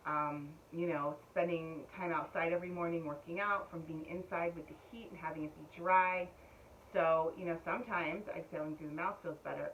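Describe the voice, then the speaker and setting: A middle-aged woman with a low, deep voice leads a relaxed home yoga class. She wanders through chatty asides before giving soft cues for poses and breathing. The sound is distant and a little dull, with a faint hum of room noise behind her. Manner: chatty and meandering, soothing cues. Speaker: yoga instructor. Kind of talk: casual spoken yoga class guidance.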